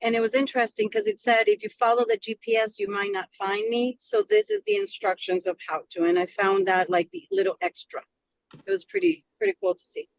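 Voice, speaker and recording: A woman, a real estate agent, calling in from her car while driving, her voice distant through the speakerphone, talking in a relaxed, slightly halting way. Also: fairly high pitch, gravelly, a little hiss or hum. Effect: calling in from a car while driving, distant speakerphone sound. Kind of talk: casual call-in comment.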